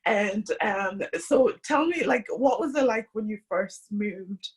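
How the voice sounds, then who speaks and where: A woman's voice: mid-range voice, expressive, takes it slowly, slightly rough. A woman podcast host from Kenya, chatting casually and leaning on fillers like "like" and "you know". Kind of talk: casual conversation.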